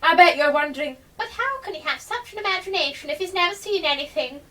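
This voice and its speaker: A woman playing a bossy, sharp-tongued eccentric in a radio play, switching between scolding and condescending endearments. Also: extremely high pitch, expressive, fast talker, far from the mic, a little hiss or hum, exaggerated voice. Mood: condescending, sweet.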